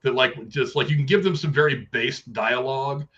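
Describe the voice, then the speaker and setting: Bright-voiced rambling podcast man. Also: medium pitch, normal speed, dull audio. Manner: rambling, repeats words, reads trivia aloud. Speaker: podcast co-host. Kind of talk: casual movie review chat.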